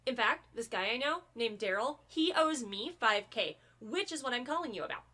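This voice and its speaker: An actress playing a gullible younger sister who rambles about a bad investment and swears a lot. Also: female voice, on the high side, lively intonation, moderate pace, sharp tone. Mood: defensive. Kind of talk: comedic audio drama.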